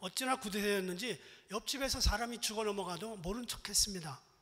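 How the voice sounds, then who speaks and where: A man speaks at a moderate pace in a high, raised and projected voice with ordinary pitch variation. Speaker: pastor. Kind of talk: sermon. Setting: church.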